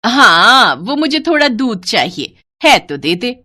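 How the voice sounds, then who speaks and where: A woman voicing a nosy, taunting village aunt in a moral story cartoon, with drawn-out, pointed small talk. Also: a little high, very animated, sharp tone, heavily acted.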